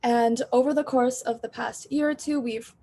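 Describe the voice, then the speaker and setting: A young woman hosting an online event opening, upbeat and welcoming, with a naturally quiet voice over a video call. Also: on the high side, steady tone, moderate pace. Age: young adult. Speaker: host and organizer.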